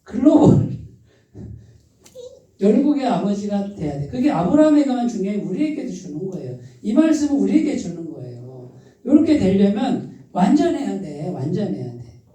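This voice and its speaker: A pastor delivers an emphatic sermon and keeps firing rhetorical questions at his congregation. His voice is very dark and mellow. It booms through a very echoey church hall, heard from some distance from the mic. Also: big pitch swings, normal speed. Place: church sanctuary.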